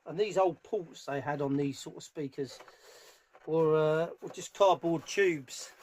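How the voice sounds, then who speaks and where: A man's voice: on the high side, darkish tone. A middle-aged man giving informal hands-on commentary in a workshop, thinking aloud as he works. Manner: thinking aloud while working with his hands. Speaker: DIY speaker restorer presenting a how-to video. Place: small cluttered workshop, indoors. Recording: clear background noise, clicks of handling.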